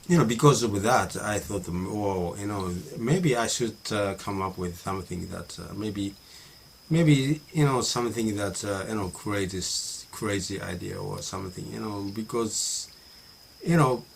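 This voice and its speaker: Halting Japanese man with fillers. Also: lowish voice, creaky, a little hiss or hum. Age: middle-aged. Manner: halting, many fillers and restarts. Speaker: vlogger practicing English. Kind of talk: casual solo monologue.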